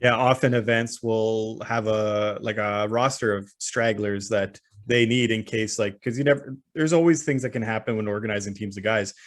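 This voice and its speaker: A man's voice: lowish voice, fairly even intonation, normal speed, hardly any pauses. A man co-hosting a podcast, joking in an easygoing way. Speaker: podcast co-host. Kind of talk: casual podcast banter.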